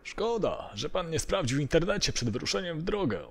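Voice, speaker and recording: A man's voice: fairly high pitch, big pitch swings, fairly quick, pitched above the performer's own voice. A man narrating a horror story, voicing an apologetic, resigned museum janitor in his thirties. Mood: regretful.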